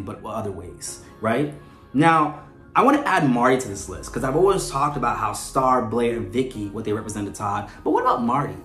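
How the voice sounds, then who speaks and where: A man's voice: mid-range voice, fairly bright tone. A man hosting a podcast with casual, analytical commentary, conversational and often checking in with the listener. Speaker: podcast host. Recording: echoey room with faint music.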